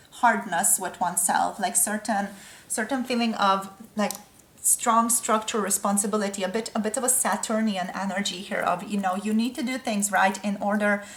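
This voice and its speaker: Speaking with a Slovenian accent, a woman keeps a medium pitch and a moderate pace. Her intonation is fairly even, with noticeable background noise behind her. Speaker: tarot reader. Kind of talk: tarot reading. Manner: halting.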